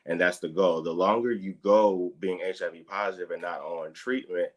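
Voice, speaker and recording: A man in his thirties from the US Midwest, a guest explaining things in a relaxed, unhurried way with many fillers. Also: sits low. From Dayton, Ohio, US Midwest. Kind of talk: casual interview talk.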